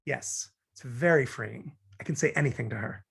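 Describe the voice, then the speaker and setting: A man's voice: medium pitch, normal speed, vocal fry, a bit bright, breathy edge, exaggerated voice. A man playing a neurotic, wisecracking, talkative single man who gets defensive in a table read of a film comedy. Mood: earnest, defensive. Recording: remote video-call table read.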